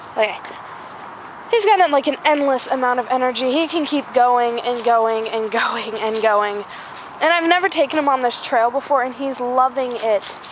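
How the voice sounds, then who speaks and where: With ordinary pitch variation and a high pitch, a woman keeps a moderate pace amid noticeable background noise. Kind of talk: casual vlog talk while walking outdoors. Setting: outdoors. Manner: rambling.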